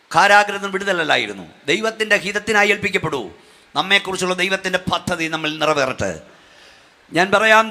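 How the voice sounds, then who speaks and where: A middle-aged man from Kerala preaching a fervent sermon to a night church gathering, at times rising to shouts and urging the crowd to clap and praise. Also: high-pitched. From Kerala, India. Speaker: pastor. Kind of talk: Malayalam Pentecostal sermon.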